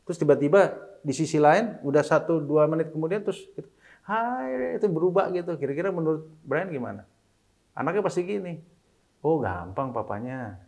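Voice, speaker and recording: A middle-aged man talks casually as an interview guest, his voice sitting a little high. He slips English phrases into his speech. He turns animated when he quotes his children. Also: fast talker. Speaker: interview guest, single father.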